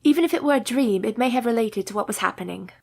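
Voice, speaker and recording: An actress playing a caring, composed young woman who speaks in steady, formal period English in a radio play. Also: fairly high pitch, quick pace, creaky, slightly rough, no echo, exaggerated voice. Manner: steady, reassuring, formal speech.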